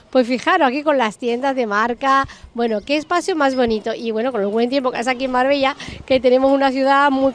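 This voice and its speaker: A middle-aged woman reporter talks into a handheld mic. Her voice sits high and bright, and her delivery is chatty and gushing. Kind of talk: on-location restaurant report. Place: seaside terrace and bright restaurant interior.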